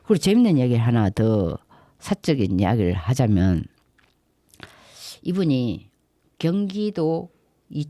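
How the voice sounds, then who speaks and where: A middle-aged woman with a Gyeongsang accent, co-hosting a community radio show and telling stories in an animated way, acting out the voices of people she quotes. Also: extremely low pitch, a little slow, long pauses, no echo. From Namhae, South Korea. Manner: animated retelling, acts out quoted dialogue. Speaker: radio co-host and tour guide. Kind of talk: casual radio chat, storytelling. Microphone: studio microphone.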